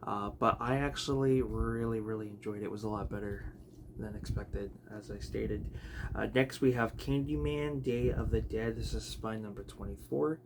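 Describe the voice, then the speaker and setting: A man chatting casually about his video collection, rambling with many fillers and restarts, his voice a bit raspy. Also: fairly low pitch, moderate pace. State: raspy, clearing throat. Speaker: home video collector vlogger. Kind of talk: casual unscripted chat. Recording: noticeable background noise.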